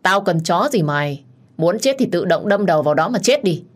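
A woman voicing a crazed, violent young man with a knife, shouting menacingly. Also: fairly low pitch, expressive, brisk. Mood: furious.

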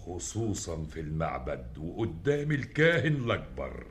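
A man's voice: low voice, big pitch swings, moderate pace. An Egyptian man playing a dignified, fatherly king of the jinn in a theatrical drama, with a stately manner. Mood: fatherly, courteous. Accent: Egyptian Arabic. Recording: roomy echo, faint noise.

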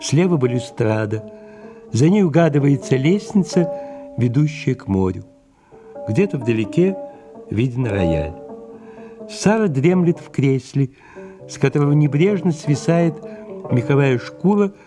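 A man reading the stage directions of an audio drama in a measured, even delivery. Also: mid-range voice, faint music behind. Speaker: narrator.

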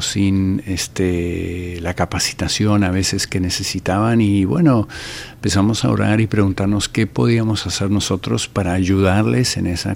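Older Argentine man, very low gravelly voice, halting radio-interview guest, faint hum behind. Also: darkish tone. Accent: Argentine Spanish. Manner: hesitant, many fillers and restarts. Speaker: ministry director and guest. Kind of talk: radio interview, relaxed storytelling.

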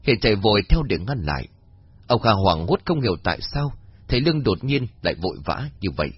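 A man's voice: fairly quick, husky, dry recording. A man narrating a horror story, reading expressively. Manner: expressive reading with a wide pitch swing. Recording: slightly dull, dry recording with faint music.

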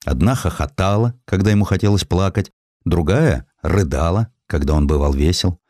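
A man reading a historical essay as an audiobook narrator, in an expressive, reflective and dramatic literary storytelling manner. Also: deep voice, moderate pace, dry recording, studio quality.

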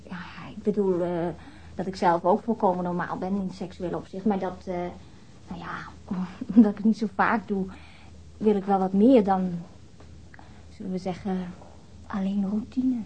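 A woman's voice: mid-range voice, steady tone, normal speed, mellow, a little hiss or hum, lightly acted, poor audio. An actress in a radio drama playing a frank, flirtatious woman witness who speaks in a hesitant yet candid, matter-of-fact way. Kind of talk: radio drama acting, naturalistic dialogue.

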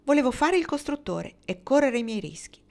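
A woman reading the part of a restless, stubborn male builder who calls himself his family's black sheep, in a calm, measured way. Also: high-pitched, vocal fry, voice pushed up, heavily acted. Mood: resentful. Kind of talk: audiobook reading.

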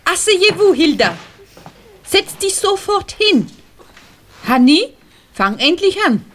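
A woman's voice: extremely high pitch, very animated, slow, fairly bright tone, exaggerated voice. An actress voicing a strict, easily flustered French woman teacher with a French accent in a children's radio play, scolding and mixing in French phrases. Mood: exasperated.

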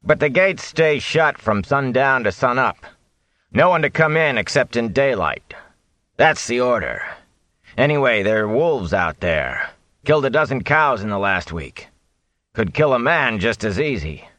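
A man voicing a blustering middle-aged watchman who is loud and bossy. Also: mid-range voice, very animated, measured pace, dry recording, pitched above the performer's own voice. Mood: incredulous.

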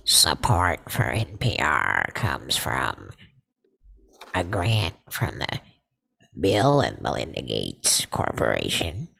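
A man's voice: a bass voice, wildly swooping pitch, slow, creaky, sharp tone, breathy edge, pitched below the performer's own voice, full character voice. A man putting on a stuffy, nasal public radio announcer voice, pinching his nose. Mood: solemn.

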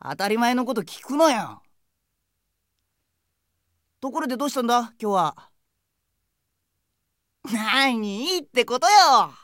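A woman's voice: a little high, big pitch swings, slow pace, long pauses, fairly bright tone, no echo, clean studio sound, heavily acted. A woman playing a brash, friendly teenage boy in an anime game audio drama, talking in casual, cheeky slang like a teasing best buddy. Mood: breezy, cocky.

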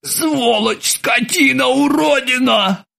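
A man voicing a frantic nightmare ghoul who shouts in hysterics. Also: very high-pitched, lively intonation, slow pace, creaky, breathy edge, voice pushed up, exaggerated voice. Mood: shrieking.

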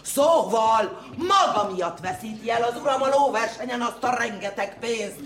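A woman's voice: on the high side, animated, fairly bright tone. An actress playing a bossy, nagging lady of the house in an old radio cabaret sketch, scolding and indignant. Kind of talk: 1930s radio cabaret acting. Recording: echoey, slightly hissy old radio recording.

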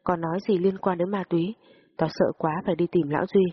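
A worried older female friend, voiced by a woman rushes out urgent questions. The voice is low and husky. The audio-story recording sounds dull and lo-fi. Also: fairly even intonation. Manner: urgent, hurried.

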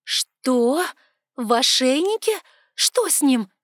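A woman voicing an anxious, impulsive young heroine in an excitable, questioning manner. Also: a little high, a little slow, no echo, clean studio sound. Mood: agitated. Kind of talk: audiobook dialogue.

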